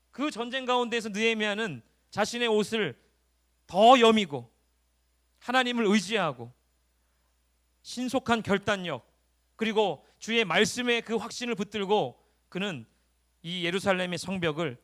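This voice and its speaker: A man preaching as youth pastor at a high school Sunday service, exhorting the teens in a lively, casual way. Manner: animated, exhorting, speaks to teens in casual banmal. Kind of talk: sermon to high school students. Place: church service.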